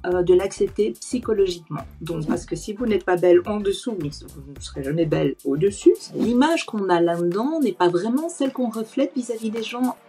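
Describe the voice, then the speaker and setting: A woman's voice: medium pitch, darkish tone. A woman of fifty-six, giving a candid, reflective personal account in conversation. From Belgium. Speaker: interview guest, client sharing her experience.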